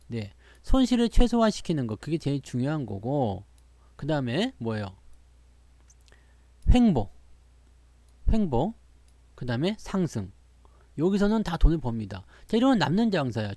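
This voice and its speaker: A man's voice: on the high side, a little mellow, dry recording. A man hosting a stock market show, talking casually and boastfully with many rhetorical questions.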